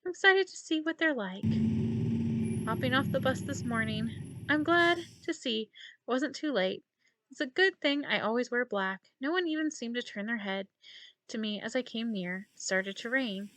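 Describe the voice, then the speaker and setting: High-voiced woman reading a game. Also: expressive, moderate pace, poor audio. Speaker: let's play host. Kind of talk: reading game text aloud and commenting. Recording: loud background noise.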